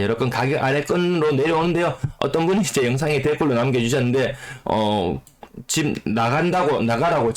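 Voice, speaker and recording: Man with a cold, walking through market data. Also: fairly high pitch. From South Korea. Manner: explanatory, repeats key phrases for emphasis. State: voice rough from a cold. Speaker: real estate YouTuber. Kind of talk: data commentary on the housing market.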